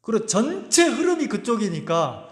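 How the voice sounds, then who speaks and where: A man's voice: very high voice, sing-song, normal speed. A male pastor preaching a sermon emphatically, firing rhetorical questions at the congregation. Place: church sanctuary. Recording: echoey church hall with long reverb.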